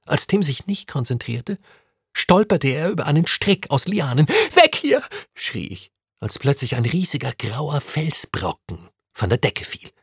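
Expressive man reading a story aloud. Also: on the high side, moderate pace, breathy edge, no room sound, studio quality. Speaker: story reader.

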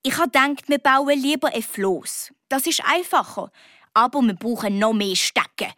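A woman's voice: high-pitched, expressive, measured pace, sharp tone, dry recording, studio quality, exaggerated voice. A woman with a Swiss German accent voicing a friendly young boy in a children's story, easygoing and matter-of-fact. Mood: casual.

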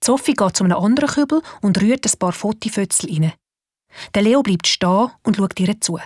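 Swiss German woman narrator, lively storyteller, breathy and dry-sounding, faint music behind. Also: medium pitch, a little fast, no room sound.

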